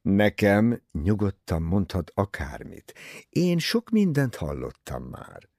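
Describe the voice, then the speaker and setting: A man's voice: mid-range voice, wildly swooping pitch, creaky, mellow, breathy edge, no echo, clean studio sound, voice pushed up, exaggerated voice. A man playing a fussy, soothing old detective.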